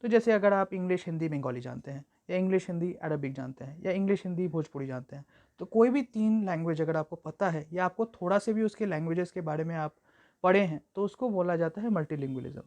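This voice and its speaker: A young woman tutor giving an exam-prep lecture, explaining at length with frequent fillers and slowing down to read example sentences aloud. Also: lowish voice, animated, mellow, dull audio. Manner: reads English examples slowly and deliberately. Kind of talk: exam-prep lecture mixing Hindi and English.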